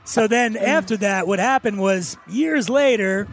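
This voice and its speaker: A man's voice: sits high, unhurried, creaky. A man hosting an interview podcast, boisterous and chummy in casual chat. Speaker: podcast host.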